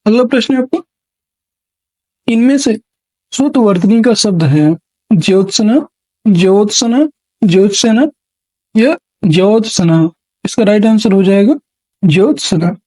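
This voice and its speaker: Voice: medium pitch, a little mellow, dry recording. Dry-voiced exam-prep teacher drilling answers. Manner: reads each option aloud, repeats words and names the correct answer. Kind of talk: classroom lesson on spelling questions.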